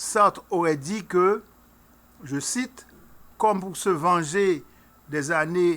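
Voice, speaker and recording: A man with a Haitian accent speaks at a very slow pace in a high pitch. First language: Haitian Creole (speaking French). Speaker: video commentator. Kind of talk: personal monologue. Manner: halting, repeats words.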